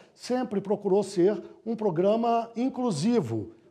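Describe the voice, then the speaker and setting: Dark and mellow in tone, a man speaks at a fairly slow pace. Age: 60s. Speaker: radio and TV interviewer. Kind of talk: interview. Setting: video call. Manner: formal.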